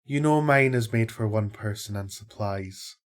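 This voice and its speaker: A man's voice: lowish voice, a little slow, lightly acted. A man playing a level-headed, protective angel in an audio drama, speaking in a dry, matter-of-fact way.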